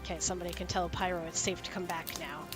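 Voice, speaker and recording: A woman's voice: fairly low pitch, steady tone, fast talker, over music. A woman chatting casually with her live viewers while sick, rambling and laughing easily. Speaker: streamer.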